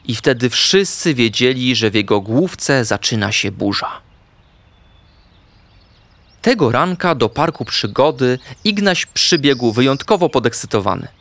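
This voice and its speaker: A man narrating a children's bedtime story in an expressive, playful way. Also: mid-range voice, measured pace, no room sound. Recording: faint background music.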